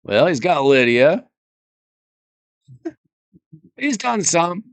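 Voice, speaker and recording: Guy streaming a game, slow laid-back talk, smooth voice kinda worn out, dry close mic. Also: fairly high pitch, no room sound. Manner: relaxed, thinking aloud while playing. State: losing his voice. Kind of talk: casual live-stream commentary.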